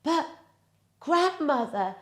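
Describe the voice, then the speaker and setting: A woman's voice: sits high, big pitch swings, slow pace, echoey room, pitched above the performer's own voice, heavily acted. A woman voicing an innocent, trusting little fairy-tale girl with a sweet, wondering manner. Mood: puzzled wonder.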